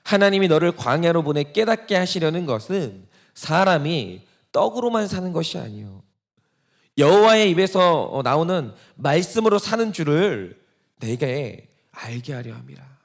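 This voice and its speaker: A man's voice: on the high side, big pitch swings, moderate pace. A male pastor preaching a sermon, asking the congregation rhetorical questions and acting out quoted voices. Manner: acts out Satan's taunting voice in quotes.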